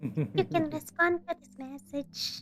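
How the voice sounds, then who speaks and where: In a shrill, put-on character voice at middle pitch, the speaker goes at a fairly slow pace while clear music plays in the background. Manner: urgent, high-pitched.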